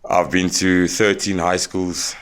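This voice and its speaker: Brief: young South African man, very low voice, smooth and clear, frank interview guest. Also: flat delivery. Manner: plain-spoken, halting with fillers. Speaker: podcast guest. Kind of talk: candid interview storytelling.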